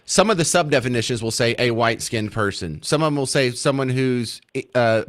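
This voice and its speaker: A man hosting a call-in talk radio show, wry and animated as he takes callers. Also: medium pitch, a little fast. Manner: wry, animated, takes calls and argues points.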